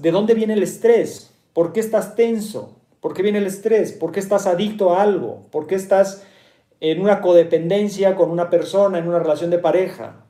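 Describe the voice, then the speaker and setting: A man's voice: high-pitched, mellow, echoey room. A man with a Mexican Spanish accent, a meditation teacher explaining ideas to listeners, often asking rhetorical questions, checking in with "¿sí?", and repeating key points.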